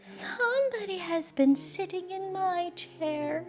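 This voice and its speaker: A soft-spoken, female-sounding put-on character voice, extremely high in pitch and fairly slow, with clear background noise. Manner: sighing.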